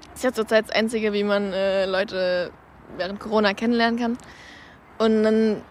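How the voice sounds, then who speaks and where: A woman's voice: mid-range voice, fairly even intonation, moderate pace, slight background noise. A woman casually telling a personal story, recorded as an amateur voice message. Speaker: listener sending in a story.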